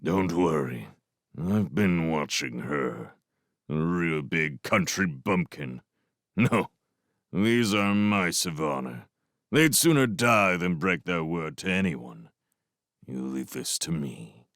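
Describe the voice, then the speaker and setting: A man's voice: lively intonation, a bit bright, dry recording, studio quality, exaggerated voice. A man doing a cold, scornful rat warlord. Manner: slow, contemptuous, low asides.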